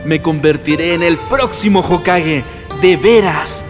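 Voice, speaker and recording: A man's voice: fairly high pitch, unhurried, over music, natural voice. A man with a Latin American Spanish accent voicing an earnest, comically intense young ninja in an amateur anime parody fan dub. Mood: brooding, determined.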